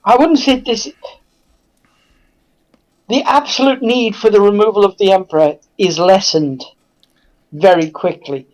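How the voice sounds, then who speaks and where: A man with a notably high voice talks as a guest on a history show. His delivery is conversational and polite, with a hesitant, self-deprecating way of putting points. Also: unhurried, long pauses, a little mellow, poor audio. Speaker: invited guest. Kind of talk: casual history discussion.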